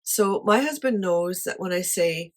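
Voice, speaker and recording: A woman with a quiet voice talking casually to camera about her life, light-hearted and honest in manner. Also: fairly low pitch, expressive, unhurried. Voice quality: quiet voice that does not carry. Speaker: artist sharing life advice.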